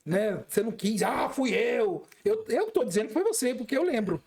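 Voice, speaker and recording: A man with a notably high voice hosts a relaxed interview, teasing and joking as he questions his guest. His delivery is lively and informal. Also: brisk, slightly rough. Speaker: podcast host. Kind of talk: casual interview chat.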